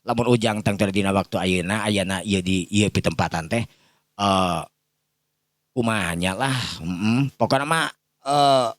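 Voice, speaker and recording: Man acting deferential, halting village uncle, low voice. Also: no echo, close to an everyday voice. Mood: pleading, bewildered. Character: respectful village uncle pleading for a child's guidance.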